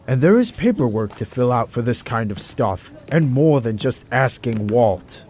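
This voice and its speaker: A man acts out a senior male doctor in an audio drama. He is polite, formal and firm at a middling pitch, with faint noise on the recording. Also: sing-song, normal speed, a little mellow, natural voice. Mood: stern. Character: courteous but stern male senior hospital doctor. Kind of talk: amateur audio drama acting.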